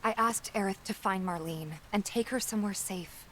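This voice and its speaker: A woman's voice: medium pitch, moderate pace, a little hiss or hum, natural voice. A woman playing an earnest, troubled young female fighter in a dramatic video game. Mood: reassuring.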